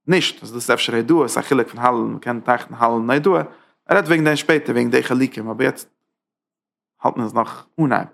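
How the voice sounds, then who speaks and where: A man teaches a Hasidic text in a gravelly voice at a middle pitch. He talks in halting phrases, stops often to search for words, and drops Hebrew and English terms into his Yiddish-style German. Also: a bit bright. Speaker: Torah teacher.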